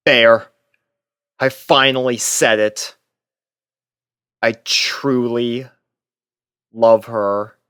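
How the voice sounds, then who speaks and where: A man reads first-person fan fiction narration at a slow, deliberate pace. His voice is smooth and his delivery earnest. The recording is dry, with no room sound. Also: fairly low pitch, a bit bright, dry recording.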